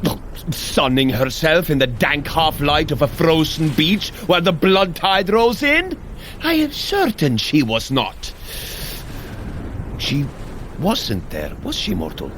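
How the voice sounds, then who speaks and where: An exasperated god of a big brother in an audio drama. He grumbles theatrically in slow, highly animated phrases, a little high for a man. His indignation is squeamish and earnest. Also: slight background noise, heavily acted. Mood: baffled, indignant.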